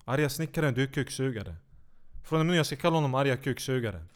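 A man's voice: mid-range voice, expressive, a little hiss or hum. A man delivering a heated, profane rant, sarcastic and scolding as he talks straight at the people he is attacking. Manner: angry, sarcastic, scolding, swears a lot. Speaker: commentator.

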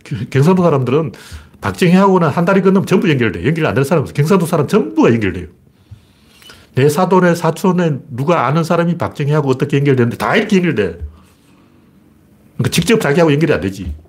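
Husky man with a blunt, lively delivery. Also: fairly high pitch, fast talker. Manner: blunt, rambling storyteller. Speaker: host of a political talk show. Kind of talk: casual political monologue.

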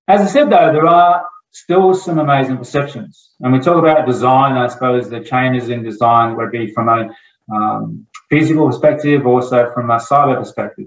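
An Australian man delivers a motivational talk at a medium pitch, steady and anecdotal. His voice rings around a roomy space and sounds a little dull. He often pauses on "I suppose" between points. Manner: measured, storytelling with fillers like "I suppose". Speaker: motivational speaker. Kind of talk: public speaking with anecdotes.

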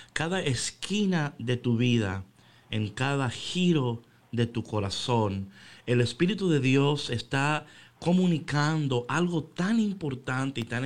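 A man co-hosting a casual faith chat on the radio, animated and slipping into English phrases. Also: mid-range voice. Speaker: radio devotional co-host.

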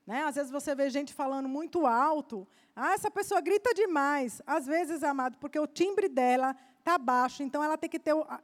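A woman preacher giving a fervent sermon, often dropping softly to address her listeners as beloved. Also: high-pitched.

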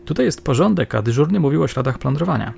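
Brief: a man voicing a tough, dry-talking female cop in a crime audiobook, slightly raised pitch. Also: expressive, fast, creaky, a little mellow, slight background noise. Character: tough, sardonic female police officer, smoker.

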